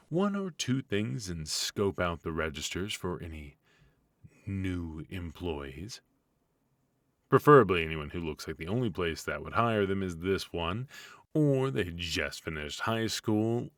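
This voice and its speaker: A man playing a smug, fussy retired supervillain husband in an intimate comedic ASMR roleplay, with a husky, mock-sinister delivery. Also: low-pitched, a bit bright, dry recording, heavily acted.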